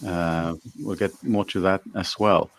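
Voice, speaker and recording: A man's voice: deep voice, steady tone, unhurried, dry recording. A man hosting a casual video-call chat, loose and jokey, laughing often. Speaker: host.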